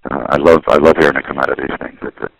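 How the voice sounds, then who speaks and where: A man's voice: rumbling low, little pitch movement, very fast, gravelly, dry recording, rough recording. A middle-aged man talking over a payphone line from a city street, musing and rambling, often correcting himself. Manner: musing, digressive, self-correcting. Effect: heard over a payphone line. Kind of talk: rambling monologue on a phone line.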